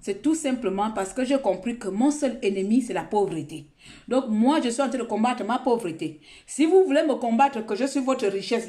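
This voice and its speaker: A woman's voice: on the high side, mellow. A woman from Gabon doing a casual phone live stream, talking at length and scolding her viewers in a repetitive, chatty way. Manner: talkative, scolding and repetitive, mixing sermon and chat.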